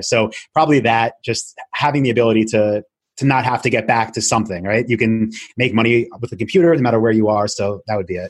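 Here a man with an American accent uses an ordinary speaking voice, medium in pitch, at a fairly quick pace. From Long Island, New York. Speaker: online business coach. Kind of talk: interview.

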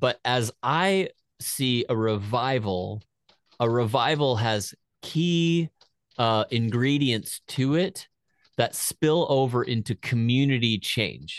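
At a very slow pace, a man speaks at medium pitch with ordinary pitch variation, in a dry, close sound with no echo over a quiet background. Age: 40s. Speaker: worship leader and podcast host. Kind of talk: casual interview chat.

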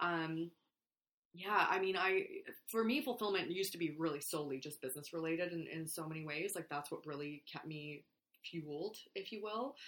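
With a Canadian accent, a woman talks in a normal speaking voice at a fairly quick pace, her fairly low pitch showing ordinary variation. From Canada, born in Bosnia. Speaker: photographer. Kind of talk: casual chat.

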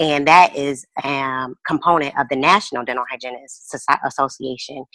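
Speaking with an American accent, a woman keeps a moderate pace. The sound is dry and close with no echo. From Detroit, Michigan. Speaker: dental hygienist.

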